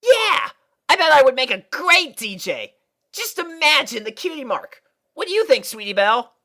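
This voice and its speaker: A woman puts on a brash young tomboy pegasus from a cartoon, pitched high and lively. The filly talks bluntly and casually, with slangy exclamations and an impatient yet loyal temper. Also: moderate pace, heavily acted. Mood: excited.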